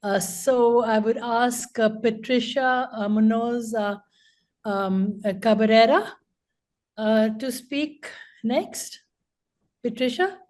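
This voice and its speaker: A woman's voice: fairly high pitch, takes it slowly, a little mellow. Hesitant woman moderating a panel. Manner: hesitant, thoughtful, many fillers.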